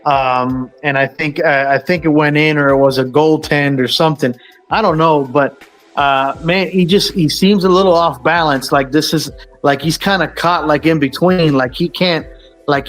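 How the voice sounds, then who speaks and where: A man's voice: fairly high pitch, fairly even intonation, normal speed, faint music behind. A man hosting a casual sports talk show, rambling with lots of fillers and restarts. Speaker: sports podcast host.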